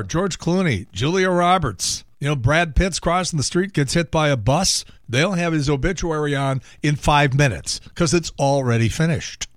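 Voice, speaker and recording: A middle-aged radio and podcast host who sounds hoarse, talking in a wry, sarcastic, rambling comic monologue. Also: male voice, a little high, no echo, studio quality. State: hoarse from laryngitis.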